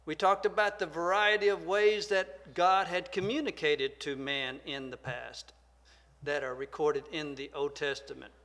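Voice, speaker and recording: An older man with a Southern American accent teaching a church Bible class at a lectern, soft-spoken, measured and deliberate. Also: on the high side, flat delivery, in a large hall. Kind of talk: Bible study lecture. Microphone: lectern microphone.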